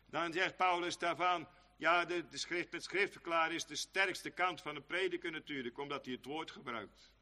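A male preacher giving a sermon, swinging between soft, quick asides and loud, drawn-out exhortations. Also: on the high side. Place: church. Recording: long reverb of a church hall.

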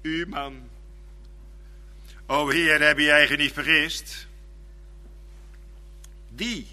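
A man preaching a sermon in slow, fervent phrases, dropping now and then to a quiet, drawn-out delivery. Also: high-pitched, in a large hall.

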